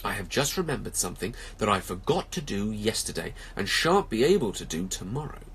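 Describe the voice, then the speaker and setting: Man reading as timid, husky little Piglet. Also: lowish voice, sing-song, a little fast, a bit bright, full character voice. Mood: nervous. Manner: hesitant, flustered. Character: small, timid, anxious male storybook piglet making excuses.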